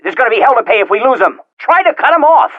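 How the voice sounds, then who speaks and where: A man voicing an excitable, hostile facility guard in a video game, with slightly dull lo-fi sound. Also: extremely high pitch, quick pace, no room sound. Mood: agitated, urgent. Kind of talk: video game enemy dialogue.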